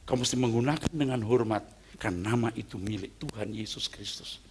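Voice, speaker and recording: A man preaching a sermon as pastor, emphatic, jumping from loud exclamations to soft asides. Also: on the low side, brisk, noisy background.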